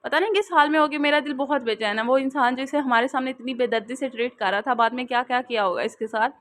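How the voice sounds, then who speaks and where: A woman's voice: high-pitched, quick pace, fairly bright tone. A woman reading as a distraught grieving mother. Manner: distraught, pleading. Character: grieving mother, frantic for lost daughter.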